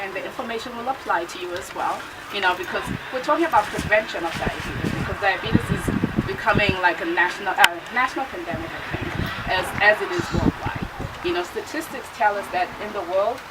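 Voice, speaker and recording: A woman from Zimbabwe, a nutritionist, giving a lively workshop talk with a loud voice, asking the audience questions. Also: medium pitch, brisk. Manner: engaging, asks the audience questions. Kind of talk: public talk to a live audience. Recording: distant mic with loud traffic noise outdoors.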